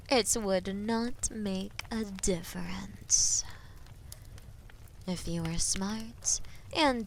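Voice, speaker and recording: A woman playing a haughty, taunting female dragon in a fantasy audio drama, speaking deliberately and often dropping into breathy whispers. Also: medium pitch, slight background noise, rough recording. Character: haughty, menacing female dragon toying with captive knight. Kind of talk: slow, theatrical roleplay monologue in medieval fantasy audio drama.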